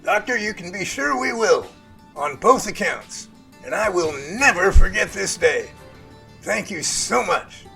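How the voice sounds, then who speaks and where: A man's voice: sits high, expressive, creaky, pushed and bright, soft background music, exaggerated voice. A man playing an earnest, folksy, inquisitive professor in an amateur audio drama, with colloquial turns of phrase. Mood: grateful. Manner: folksy, colloquial, drawn-out remarks.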